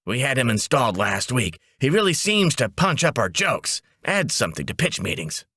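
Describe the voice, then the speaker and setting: A wisecracking female office boss as voiced by a man, bright and forceful. The delivery is breezy and emphatic, with pitch leaping around in comic audiobook style. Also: sing-song, normal speed, no room sound, studio quality.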